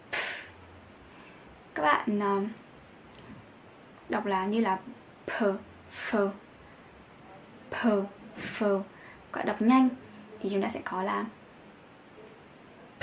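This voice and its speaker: A woman teaching German pronunciation in a patient lesson, with drawn-out fillers and each example word said twice. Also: fairly high pitch, a little hiss or hum. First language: Vietnamese.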